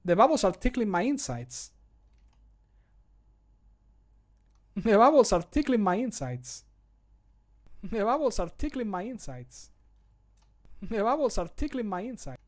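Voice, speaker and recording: Quirky male fantasy game character , acted by a man: cheery, sing-song, high-pitched, fond of his ale. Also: sing-song, moderate pace. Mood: giddy, tickled. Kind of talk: fantasy video game voice lines.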